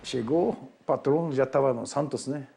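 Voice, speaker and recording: An older man whose first language is Japanese speaks in simple, broken phrases with a Japanese accent. His voice is mellow and gravelly. A faint hiss sits behind him. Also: medium pitch, normal speed. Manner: simple broken Portuguese, frequent tag questions. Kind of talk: documentary interview.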